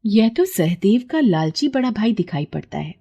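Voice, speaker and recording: A woman's voice: mid-range voice, sing-song, moderate pace, mellow, breathy edge. A woman putting on a stern pond goddess. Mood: scolding. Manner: scolding, commanding.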